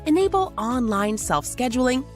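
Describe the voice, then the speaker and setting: A woman reading a polished, upbeat scripted ad for software. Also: a little high, sing-song, moderate pace. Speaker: ad voice-over. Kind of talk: scripted ad read. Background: music bed.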